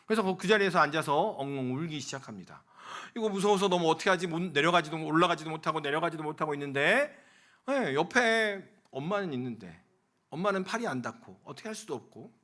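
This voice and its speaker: A male pastor delivers a Sunday sermon in a church. His voice sits high for a man and rings bright and forceful. He tells his stories with animation, acting out the voices he quotes and swinging between raised calls and hushed asides. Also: fast. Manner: animated storytelling, acts out quoted voices, swings from loud to soft. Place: church sanctuary.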